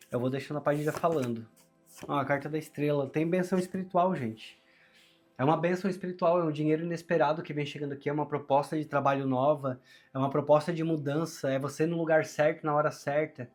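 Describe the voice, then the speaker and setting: A Brazilian man speaks in a somewhat high voice that sounds forced through a sore throat. He gives a chatty, earnest tarot reading straight to viewers, repeating phrases for emphasis, with music playing behind him. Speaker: tarot reader, channel host.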